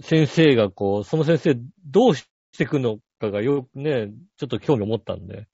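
A man's voice: mid-range voice, animated, brisk, gravelly, mellow, husky, dry recording, muffled recording. A man co-hosting a podcast, telling a rambling story in casual chat with many fillers. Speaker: podcast co-host.

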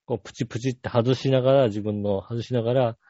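A man's voice: mid-range voice, steady tone, quick pace, dark tone, no echo, highs cut off. A man co-hosting a podcast, telling a rambling story in casual chat with many fillers. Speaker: podcast co-host.

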